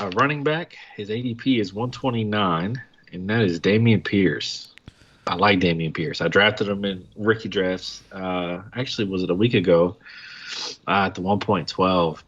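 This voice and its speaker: Man, low voice, dull lo-fi sound, eager casual podcast co-host. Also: normal speed, fairly bright tone. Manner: enthusiastic, analytical, lists examples. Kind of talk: casual sports podcast chat.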